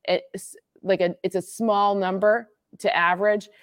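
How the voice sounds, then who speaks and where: A woman from the Midwest talking through football analytics in casual chat, quick and full of restarts. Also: mid-range voice, fairly even intonation, no room sound, studio quality. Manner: quick, restarts sentences, laughs at own jokes.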